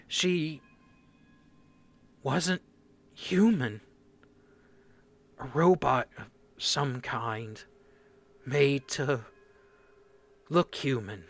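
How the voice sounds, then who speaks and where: A man playing a traumatized corporal in a radio play, recounting horrors in halting, broken phrases. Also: on the high side, fairly bright tone. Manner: halting, haunted, fragmented delivery. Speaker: voice actor.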